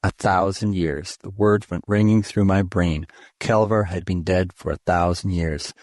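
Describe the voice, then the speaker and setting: A man reading a classic science fiction story aloud in steady, measured first-person narration. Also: sits low, no room sound. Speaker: audiobook reader.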